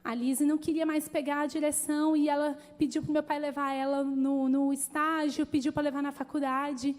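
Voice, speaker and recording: A woman pastor preaches in a high, mellow voice, chatting with the congregation and calling out to them. Her voice carries a long church-hall reverb. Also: a little fast. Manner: conversational, animated preaching with calls to the congregation. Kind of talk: sermon.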